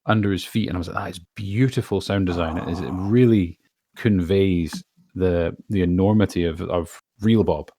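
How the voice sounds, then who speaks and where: A man's voice: deep voice, moderate pace, warm tone, no room sound, studio quality. A man discussing things casually as a panelist on a podcast. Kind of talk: casual behind-the-scenes discussion.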